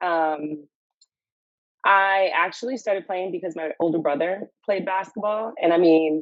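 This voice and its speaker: A woman with a New York accent speaks at a moderate pace in a medium pitch. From US Northeast, Long Island, New York. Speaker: former basketball player and event business owner. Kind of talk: podcast interview. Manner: animated.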